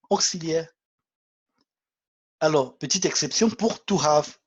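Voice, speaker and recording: A man's voice: on the high side, breathy edge. A man teaching English grammar in French, explaining step by step and repeating example sentences aloud for the listener to practice. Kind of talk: video grammar lesson.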